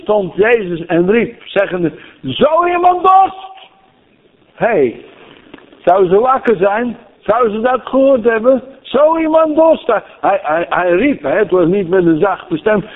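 An older man preaching a sermon in a high voice. He keeps asking his listeners questions and repeats words as he builds up to them. The sound is thin and phone-like. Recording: tinny phone-like recording.

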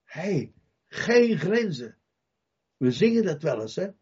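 A man delivers a sermon in a high voice at an unhurried pace. He stresses his points by repeating them and turns often to his listeners with direct questions. The recording sounds a little dull and lo-fi. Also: big pitch swings, husky. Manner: emphatic, repeats key phrases, acts out Bible scenes with loud cries. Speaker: preacher.

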